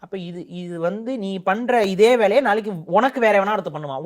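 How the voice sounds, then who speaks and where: In an interview, a man with a high voice gives a heated opinion, his indignant force repeatedly rising into emphatic outbursts.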